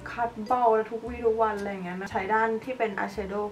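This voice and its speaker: A woman's voice: mid-range voice, fairly even intonation, quick pace, slight background noise. A young woman chatting casually as a beauty vlogger while she demonstrates makeup products. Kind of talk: casual makeup tutorial chat. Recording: voice a bit far from the mic, light background music.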